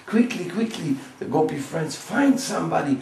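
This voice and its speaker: A man voicing two scolding older women who guard the heroine, shrill, bossy and fretful, in a storytelling talk. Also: sing-song, moderate pace, a little mellow, a little hiss or hum. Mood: fretful urging. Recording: roomy, distant mic, faint ambience.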